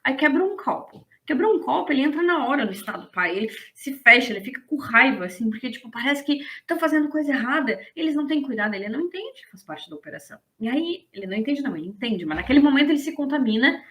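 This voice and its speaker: A woman teaching in a casual, lively and blunt way, often slipping into acted quotes. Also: sits high, fast talker, hardly any pauses. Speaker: business coach. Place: indoors, streaming to an online audience.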